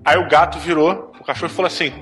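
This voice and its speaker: A man from Brazil with a Brasília accent, co-hosting a podcast and cracking deadpan jokes. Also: a little high, fast, soft background music. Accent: Brasília Brazilian Portuguese. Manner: joking, deadpan storyteller. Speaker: podcast co-host. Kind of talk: casual chat.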